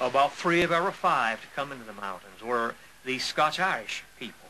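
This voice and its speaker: A man speaks at a moderate pace in a medium pitch, with a bright, sharp tone. His intonation is lively and his loudness swings widely. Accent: Appalachian. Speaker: professor of Appalachian studies. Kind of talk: interview answer.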